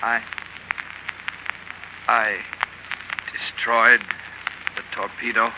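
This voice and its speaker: A man's voice: mid-range voice, flat delivery. A stammering young man under a spell. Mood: dazed. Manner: stammering, halting and dazed. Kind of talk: 1930s radio drama acting. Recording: hissy 1930s radio broadcast.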